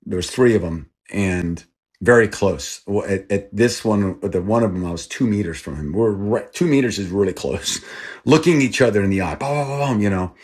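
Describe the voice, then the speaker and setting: Middle-aged man, low husky voice, from Texas, earnest halting interview guest. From Texas, raised in Thailand. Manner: earnest, halting with restarts, pausing. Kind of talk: reflective personal storytelling.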